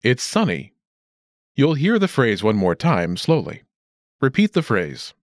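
A man narrating a scripted language lesson as an instructor, enunciating clearly and deliberately. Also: mid-range voice, huge pitch swings, no room sound, studio quality.

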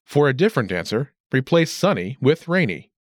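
A man narrating a scripted language lesson as an instructor, enunciating clearly and deliberately. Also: medium pitch, very animated, noisy background.

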